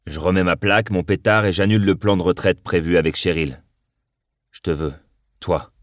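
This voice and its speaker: A man reading the lines of a weary policeman in love, quiet and resolute, in an audiobook. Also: low-pitched, normal speed, dry recording, studio quality, natural voice. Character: weary male cop torn between two women.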